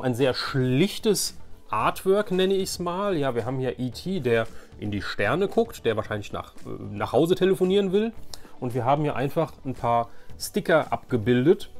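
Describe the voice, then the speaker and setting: A man's voice: medium pitch, a little mellow. Middle-aged guy rambling casually, nostalgic show-and-tell, music playing behind him. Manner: rambling, conversational. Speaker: nostalgia video host.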